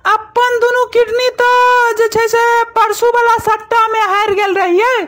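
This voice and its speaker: A woman's voice: very high-pitched, little pitch movement, a little slow, a bit bright. A woman voicing a shifty, wheedling young male gambler, a nephew in a comedy cartoon, talking evasively. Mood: sheepish. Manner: wheedling, evasive, repetitive filler phrases.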